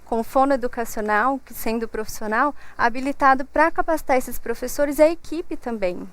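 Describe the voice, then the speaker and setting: A woman with a Brazilian Portuguese accent, a speech therapist guest explaining calmly and softly. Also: sits high, smooth. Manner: calm, soft, measured.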